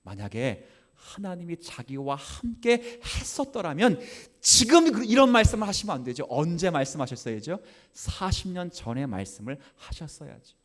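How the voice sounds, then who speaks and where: A male pastor preaching a sermon in church, acting out dialogue and swinging from soft asides to loud, emphatic passages. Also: fairly high pitch, sing-song, normal speed. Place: church sanctuary.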